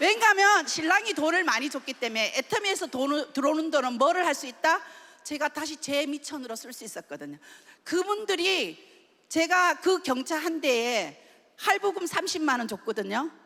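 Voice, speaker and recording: A woman projects a raised, high voice with a bright, sharp tone and lively intonation. Her loudness swings widely at a moderate pace. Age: 60s. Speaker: network marketing leader. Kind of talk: motivational speech. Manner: animated.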